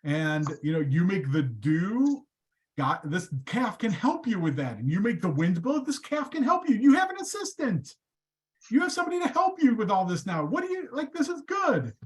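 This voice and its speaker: A man's voice: high-pitched, normal speed, pitched above the performer's own voice. A man putting on an eager, pleading Moses. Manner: excited, wheedling.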